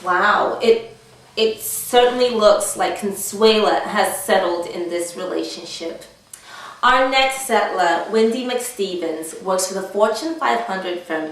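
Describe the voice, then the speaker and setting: A brassy, sardonic hostess acted by a woman in a comedy sketch, heard from a distance in a very echoey room. She speaks theatrically and without hurry, in a fairly high voice. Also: lightly acted. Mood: showy. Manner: theatrical, chatty, mocking. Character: brassy, sardonic married woman hosting a talk show. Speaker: talk show host character. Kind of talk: comedy character sketch, mock talk show.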